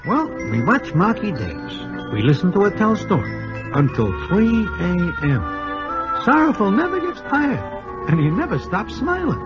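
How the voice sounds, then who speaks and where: A man's voice: sits high, very animated, normal speed. A man playing a wry gambler sidekick who narrates a 1940s radio drama in a formal present-tense manner. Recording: dull old radio broadcast with music.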